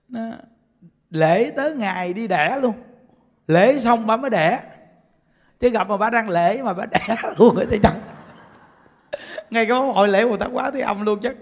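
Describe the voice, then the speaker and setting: A man preaching a Buddhist sermon, telling animated stories and often laughing. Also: high-pitched, normal speed, long pauses. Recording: long hall reverb.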